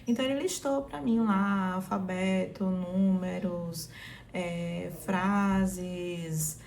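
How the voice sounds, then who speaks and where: A woman from Brazil in her thirties talking casually in a vlog. She explains things in a relaxed way, with many fillers and restarts. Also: fairly low pitch, takes it slowly, vocal fry, a little hiss or hum. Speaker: vlogger.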